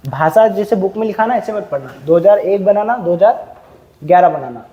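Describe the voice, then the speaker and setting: A man's voice: high voice, animated, brisk, lo-fi sound. A man teaching a classroom lecture, quizzing students and drilling numbers through repetition.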